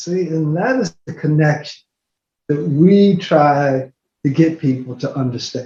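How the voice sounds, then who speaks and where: With an American accent, a man speaks at a fairly slow pace in a fairly high pitch for a man, his tone dark, mellow and somewhat breathy, with ordinary pitch variation. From Philadelphia, US. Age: 70s. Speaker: gallery co-founder. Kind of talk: panel discussion.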